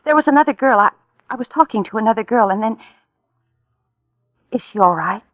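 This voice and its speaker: A woman's voice: fairly high pitch, lively intonation, fairly quick, no echo. An actress playing a shaken young woman, a train-crash survivor who talks hesitantly and falters, in a 1940s radio drama. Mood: timid. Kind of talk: 1940s radio acting and narration. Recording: muffled 1940s radio recording with music.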